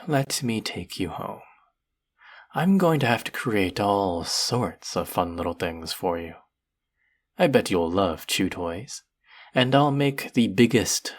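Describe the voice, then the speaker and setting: A performer acts out a sadistic fantasy sorcerer in a roleplay audio drama. The voice is low and husky, drawling slowly through teasing, mock-sweet baby talk. It gloats and coos as if over a helpless little pet. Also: exaggerated voice.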